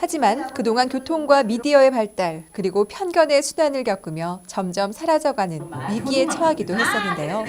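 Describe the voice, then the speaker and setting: A woman reporter narrating a news segment in a formal, measured way. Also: fairly high pitch.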